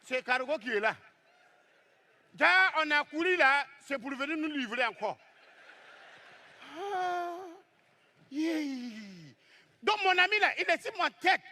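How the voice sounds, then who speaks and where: A man telling a comic story on stage as a stand-up comedian, lively and exclaiming as he acts out the scenes. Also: very high-pitched, slow pace, pauses often.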